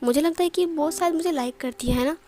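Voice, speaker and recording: Teasing young man in love, coaxing, woman voicing, high pitch, faint music. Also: brisk, warm tone, lightly acted.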